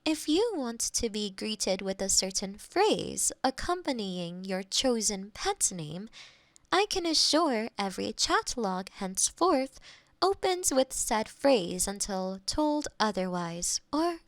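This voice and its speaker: Medium-pitched with big pitch swings, a woman acts out a scripted ASMR roleplay as a polite, literal female AI girlfriend companion eager to please. Her delivery is formal, measured and robotically helpful, captured close on a binaural microphone in a dry recording.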